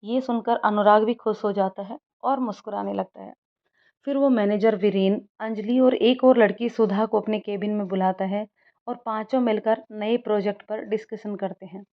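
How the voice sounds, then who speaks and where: A woman narrating a story in a steady, gentle scripted storytelling style. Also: medium pitch, moderate pace. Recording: dull lo-fi recording.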